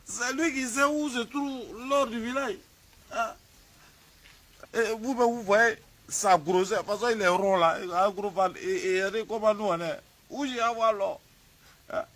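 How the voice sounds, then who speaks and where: A man's voice: high voice, measured pace, a bit bright. Man playing a stammering pleading old villager. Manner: stammering, whining. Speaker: comedy sketch actor. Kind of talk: village comedy sketch acting.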